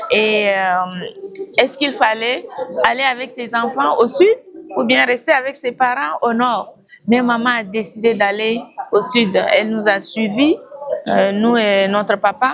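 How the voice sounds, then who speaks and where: Noticeable background noise runs behind a woman talking at a very slow pace. Her pitch is fairly high, with ordinary pitch variation. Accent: Chadian. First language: Mundang (speaking French). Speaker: author. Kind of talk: book presentation interview. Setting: book fair event.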